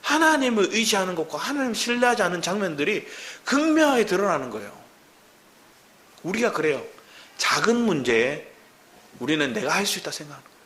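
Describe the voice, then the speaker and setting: A male pastor giving a sermon in a church, preaching in an animated way and often asking the congregation rhetorical questions. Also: high-pitched, fairly quick.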